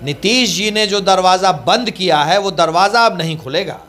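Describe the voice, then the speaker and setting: High-pitched male spokesperson, rhetorical, punchy, repeats key lines. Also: moderate pace, a bit bright. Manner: emphatic, rhetorical, repeats phrases. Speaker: party spokesperson. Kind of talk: political interview.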